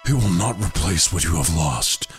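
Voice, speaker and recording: A man voicing a compassionate, wealthy old nobleman with a white beard, speaking slowly and gravely in a raspy voice. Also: low-pitched, lively intonation, pitched below the performer's own voice. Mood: gentle. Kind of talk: storybook narration. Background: faint music.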